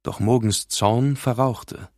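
A man reading an audiobook in a measured, dramatic scripted narration, recorded in a studio. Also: medium pitch, steady tone, darkish tone, dry recording.

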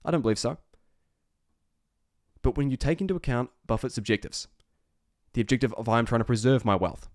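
A man's voice: medium pitch, lively intonation, brisk, pauses often, no room sound. Emphatic man giving stock commentary, dry sound. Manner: emphatic, repeats phrases, rhetorical questions. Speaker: investing video host. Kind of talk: off-the-cuff stock analysis commentary.

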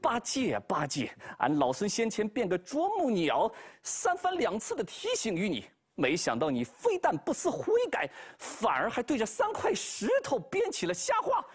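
A cocky, quick-tempered monkey king, as a man puts him on, scolds in a high, husky voice. The pitch leaps and swoops as he boasts, like a storybook hero. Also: huge pitch swings, heavily acted. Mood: scolding.

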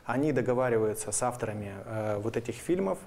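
A man's voice: medium pitch, expressive, fast talker, gravelly, a little mellow. A man in his thirties explaining things casually as a guest in a studio interview. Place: television studio, indoors. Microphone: lapel microphone.

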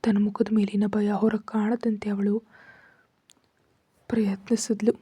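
A woman narrating a dramatic family story in a soft, steady whisper. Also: mid-range voice, a little slow, slightly rough, dry recording.

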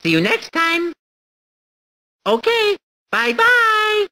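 Mario, a squeaky Italian-accented plumber. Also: male voice, wildly swooping pitch, extremely slow, bright, forceful tone, full character voice. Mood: encouraging. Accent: exaggerated Italian. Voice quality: squeaky, sing-song. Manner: goofy and encouraging, giggly. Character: cheerful cartoonish male plumber hero, bubbly and playful. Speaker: typing tutor guide. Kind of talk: video game character voice lines.

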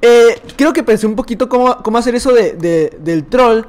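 A young man with a Mexican accent giving excitable, chatty live gameplay commentary, repeating phrases and laughing often. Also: very high voice, moderate pace, a little hiss or hum. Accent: Mexican Spanish. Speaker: gaming YouTuber.

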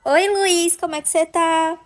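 A woman's voice: very high-pitched, fairly even intonation, a little slow. A young woman hosting a casual live stream, chatting playfully with viewers and laughing often. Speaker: livestream host.

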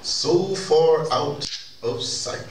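A man's voice: fairly high pitch, extremely slow. Distant, echoey male storyteller. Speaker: narrator and presenter. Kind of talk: storytelling narration of an audio drama. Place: large wood-panelled conference hall, indoors. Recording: distant, echoey hall, clear background noise.

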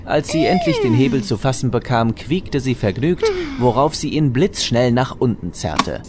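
A man's voice: medium pitch, huge pitch swings, moderate pace, background noise. A man narrating a comedy audio drama from a script.

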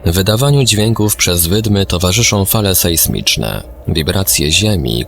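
A man narrating a scripted documentary audiobook in speech, with a measured, formal delivery. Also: low-pitched, a bit bright.

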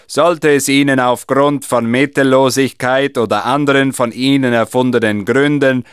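A man plays a formal male phone menu announcer with a smooth, clean voice. He delivers scripted answering machine messages with comic officiousness, recorded very dry and close. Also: medium pitch, fairly even intonation, normal speed, no echo, close to an everyday voice. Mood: officious.

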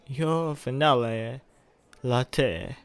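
A young man voices an awkward, earnest college student who is secretly a superhero in a roleplay audio. His mid-range voice is smooth and extremely slow, and his hesitant delivery comes across as friendly and casual.

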